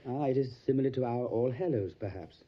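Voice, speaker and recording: An actor playing a courteous solicitor in an audio drama, speaking in a measured, formal way. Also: male voice, medium pitch, breathy edge, natural voice. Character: courteous English solicitor recounting his journey to Transylvania. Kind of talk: audio drama narration and dialogue. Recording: dull lo-fi audio with music behind. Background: music.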